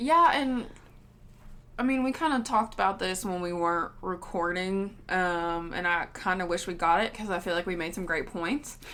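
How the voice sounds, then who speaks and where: Her medium-pitched voice carries a slight Southern US accent and a bright, sharp tone as the woman moves at a moderate pace with ordinary pitch variation. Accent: slight Southern twang. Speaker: podcast host. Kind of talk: casual chat.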